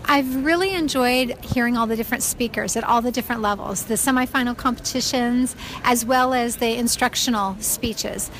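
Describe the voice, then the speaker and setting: A woman's voice: on the high side, normal speed, a little hiss or hum. A woman from California, a cheerful first-time convention attendee. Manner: bright, cheerful.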